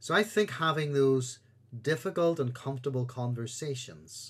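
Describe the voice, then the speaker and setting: A somewhat breathy voice with a Northern Irish accent speaks at a moderate pace with ordinary pitch variation. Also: man. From Northern Ireland. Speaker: Methodist minister and peacebuilder. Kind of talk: interview.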